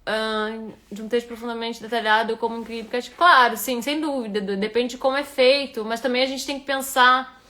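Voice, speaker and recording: A woman's voice: fairly high pitch, fairly even intonation, brisk, pushed and bright. A woman with a Rio de Janeiro accent, a writing instructor giving a live critique of a reader's manuscript and thinking aloud with frequent restarts. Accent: Rio de Janeiro Portuguese.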